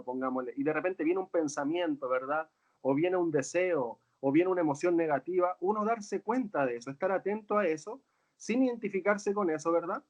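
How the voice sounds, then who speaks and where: Guy talking slow and earnest, kinda high voice, keeps saying verdad. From Chile. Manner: earnest, tags phrases with "¿verdad?". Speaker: guest, author and coach. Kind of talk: reflective conversation.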